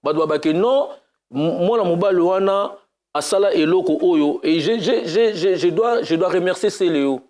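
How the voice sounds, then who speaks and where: A man from Kinshasa, a music animateur talking casually in an interview, mixing Lingala and French in a lively way. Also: high-pitched, moderate pace. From Congo (Kinshasa). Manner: mixes Lingala and French, lively, bursts into chanted cries.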